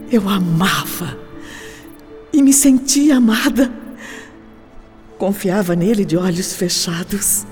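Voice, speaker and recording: A woman's voice: medium pitch, a little mellow, natural voice. An actress playing a young woman in love who tells her own story in a first-person radio drama monologue, later hurt by her sister's betrayal. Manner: wistful, emotional, shifting between joy and hurt. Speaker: radio drama narrator character. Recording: reverberant studio with music bed.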